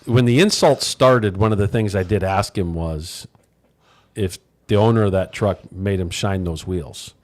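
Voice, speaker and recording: Guy hosting a radio talk show, kinda low voice, loud and lively, dry studio sound. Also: a little slow, no room sound. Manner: loud, energetic storyteller. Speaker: radio host. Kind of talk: casual chat.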